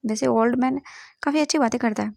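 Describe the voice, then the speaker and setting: A woman's voice: fairly high pitch, vocal fry, a little mellow, no echo. Woman doing a brash teasing young man. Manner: playful, mocking, quick retorts.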